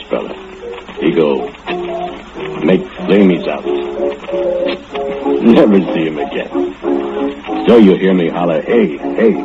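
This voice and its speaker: An actor playing a brooding, murderous foundry laborer who speaks broken English with menacing low chuckles, in old radio drama style. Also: male voice. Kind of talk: 1940s radio acting. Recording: dull old radio recording with loud music.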